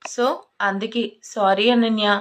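A woman's voice: mid-range voice, level tone, takes it slowly, close to an everyday voice. A woman reading an evasive young husband. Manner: evasive, apologetic. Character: busy young husband making excuses.

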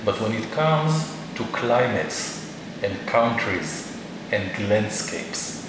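Slow-spoken male interviewer, echoey room. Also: lowish voice, very animated. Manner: slow, measured, polite questioning. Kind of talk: interview questions. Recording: echoey room, distant mic, noisy.

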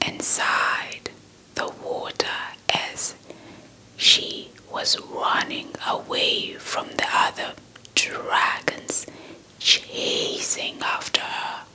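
Whispering young woman, very slow. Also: pushed and bright, low-quality recording. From South Africa. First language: Xhosa. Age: young adult. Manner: slow, deliberate, repeats words for effect. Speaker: ASMR storyteller. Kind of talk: whispered ASMR folktale narration. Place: small indoor setup before a cloth backdrop. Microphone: handheld mic with fluffy windscreen, held close.

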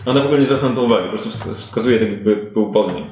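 A man's voice: fairly low pitch, very fast, darkish tone, a little hiss or hum. A man improvising narration as the game master of a tabletop role-playing session. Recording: echoey room, faint music behind.

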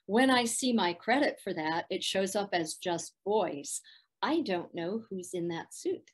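A middle-aged woman with a soft, soothing voice, chatting as a guest in a video-call interview from a room at home, laughing often. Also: mid-range voice, expressive, a little slow, slightly rough. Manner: warm, laughs often, thoughtful. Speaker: voice actress guest.

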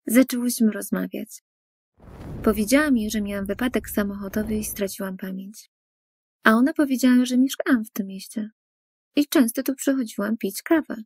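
Female storyteller with a husky, mellow voice for an animated first-person story, earnest, dry studio read. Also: medium pitch, normal speed, no echo. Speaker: narrator.

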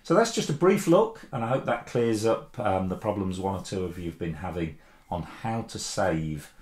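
A man in his fifties talks through a keyboard tutorial in an easygoing, unhurried way, dotted with ums and uhs. His voice sits on the low side. The sound carries a noticeable room echo from a home office recorded at table distance. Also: animated, darkish tone. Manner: easygoing, plain-spoken, frequent "um" and "uh". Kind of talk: relaxed step-by-step tutorial. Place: home studio office with desk and plants, indoors. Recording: echoey room.

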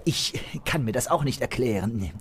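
A man's voice: medium pitch, expressive, moderate pace, a bit bright, breathy edge. A male actor playing a swaggering swashbuckler among pirates in a comic radio play, with theatrical, grandiose delivery. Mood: evasive. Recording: music bed under the voice.

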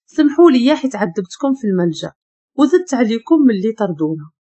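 A woman with a Moroccan accent voicing a frail, dying orphan girl who speaks softly and faintly. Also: fairly high pitch, big pitch swings, quick pace, breathy edge, highs cut off. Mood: weak, tender.

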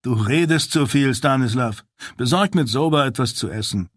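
A man's voice: mid-range voice, lively intonation, normal speed, no room sound, clean studio sound, natural voice. A man voicing a caring male officer who tends to a wounded friend in an audiobook. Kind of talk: audiobook character voice.

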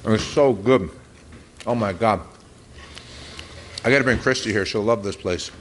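A man's voice: on the low side, unhurried, slight background noise. A man hosting a video visit to a small bakery, full of enthusiastic, effusive praise for the food. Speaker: video host. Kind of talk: casual chat. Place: small bakery shop, indoors.

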